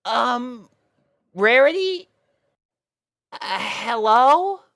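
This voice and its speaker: A woman voicing a young male dragon in a storybook reading, eager and bashful, with a hesitant, excitable manner. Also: on the high side, extremely slow, no room sound, voice pushed up, exaggerated voice. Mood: sheepish.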